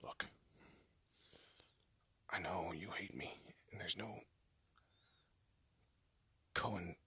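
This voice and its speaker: A man voicing a hardened ex-gangster husband in an audio roleplay, talking in a low threatening whisper. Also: very slow, bright, forceful tone, slightly rough, dry recording, exaggerated voice. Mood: somber. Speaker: voice actor.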